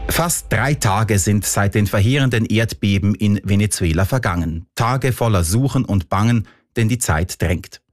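A man's voice: lowish voice, moderate pace, hardly any pauses, no room sound, studio quality. A man with a Swiss German accent presenting scripted radio news as the programme's host.

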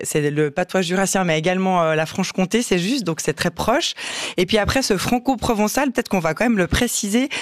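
A woman with a Swiss French accent co-hosting a radio talk show, lively and eager to add her comments. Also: medium pitch, dry recording, studio quality. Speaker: radio co-host. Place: radio studio.

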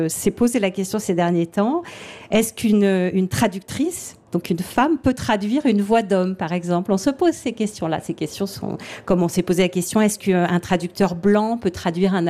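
A middle-aged woman, an author and literary translator, answering interview questions in a thoughtful, halting way with frequent restarts. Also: medium pitch, mellow. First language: French.

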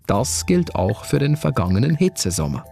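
A man's voice: mid-range voice, very animated, moderate pace, vocal fry, mellow, soft background music. A man narrating a news podcast from a conversational script.

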